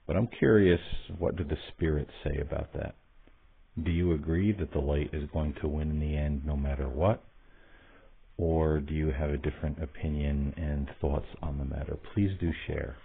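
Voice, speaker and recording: A man speaks in an extremely low, husky voice through a narrow, phone-like recording. He addresses spirits solemnly as the host of a session. His phrasing is deliberate and halting, with pauses between short phrases. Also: level tone. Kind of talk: solemn spoken questions to spirits. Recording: muffled, phone-like narrow band.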